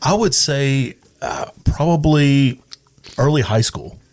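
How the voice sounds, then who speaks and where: Medium-pitched man as interview guest. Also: slow, a little mellow. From East Texas. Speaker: radio personality, guest. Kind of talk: casual interview chat.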